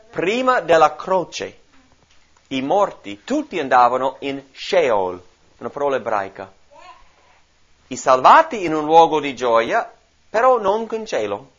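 Animated male Bible teacher, lively sermon delivery, muffled lo-fi recording. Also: a little high, slow pace, long pauses. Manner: animated, explaining and asking the listeners questions. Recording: dull lo-fi recording.

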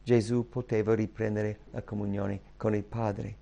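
A man delivers a sermon with a gravelly edge to his voice. He drops to near-whispers, then rises to loud, emphatic cries as he reads scripture. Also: lowish voice, level tone, unhurried, dull audio. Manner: dramatic, swings from hushed to loud emphatic cries. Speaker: preacher.

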